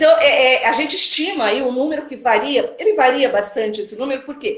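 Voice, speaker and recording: The voice belongs to a woman. Her pitch is high. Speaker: civil engineer. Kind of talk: live stream interview. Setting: Instagram live video. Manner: fast.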